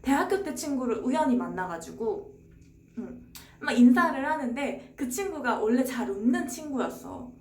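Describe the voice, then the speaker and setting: Chatty young woman, higher voice. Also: animated, moderate pace, a little mellow. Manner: chatty, rambling, answers chat with short replies. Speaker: streamer. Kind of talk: casual retelling of a novel. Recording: roomy echo, faint background hiss.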